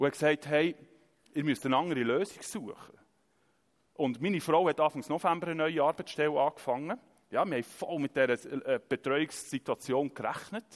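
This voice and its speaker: With a plain, everyday voice, a man speaks at a moderate pace and fairly high pitch with ordinary pitch variation, the sound dry and close with no echo. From Zurich region, Switzerland. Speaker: pastor. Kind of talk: sermon.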